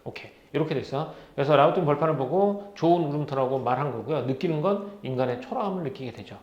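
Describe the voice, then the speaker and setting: Male teacher, literature lecture, rhetorical questions, raised pitch, echoey room. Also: animated, quick pace, darkish tone. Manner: fires rhetorical questions at students and answers them himself. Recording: roomy, slightly dull lecture recording.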